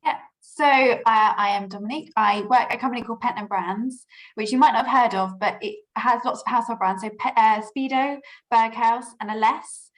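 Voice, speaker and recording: Woman, 30s, heavily pregnant, rapid speech, chatty, video call. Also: a little high, rough recording. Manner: chatty, laughing, lots of fillers. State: heavily pregnant, bouncing on an exercise ball. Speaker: finance director, panelist.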